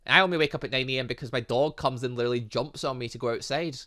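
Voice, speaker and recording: A man's voice: medium pitch, rapid-fire, sharp tone. A man hosting a gaming channel, giving let's play commentary on a visual novel with dramatic, exclaiming reactions.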